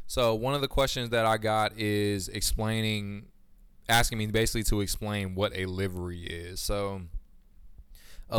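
In an American accent, a man with an unremarkable speaking voice and a fairly low pitch talks at a moderate pace. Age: 20s. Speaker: podcast host. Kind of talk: explainer monologue. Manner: casual, laid-back.

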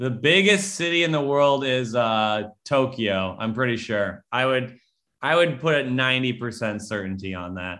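With lively intonation, a man speaks in an Upper Midwest accent. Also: medium pitch for a man. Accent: Upper Midwest American. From Minnesota, Twin Cities. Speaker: stand-up comedian. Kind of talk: casual chat.

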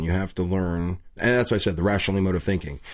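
With an American accent, a man is talking. His pitch sits fairly low. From New Jersey. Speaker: cannabis advocate and artist. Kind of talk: casual interview. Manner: animated.

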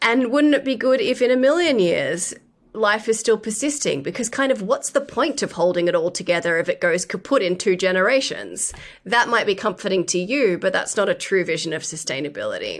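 On a very clean recording with a silent background, a woman with an Australian accent talks at a fairly quick pace, her fairly high pitch swinging very widely. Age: 30s. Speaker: historian and researcher. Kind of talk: interview.

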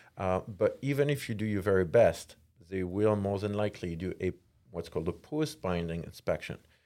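A man with a French accent talks at a fairly quick pace in a fairly low, dark, mellow voice with ordinary pitch variation. The recording is very clean, with a silent background. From France. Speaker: insurance agent. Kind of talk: casual interview. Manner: prone to giggling.

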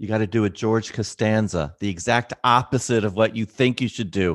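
An unremarkable speaking voice with an American accent comes at a moderate pace with ordinary pitch variation. The sound is dry and close with no echo, over a quiet background. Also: man. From Philadelphia, US. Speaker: oncologist and author. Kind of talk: casual interview.

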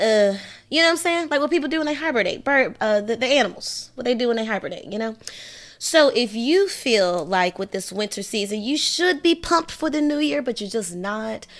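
Talking at a fairly quick pace, a woman uses a high pitch with very wide pitch swings. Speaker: solo podcast host on astrology and spirituality. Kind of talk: casual solo monologue, partly livestreamed. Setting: live stream on social media. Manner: sweet, nice way of speaking; relaxed, with many fillers.

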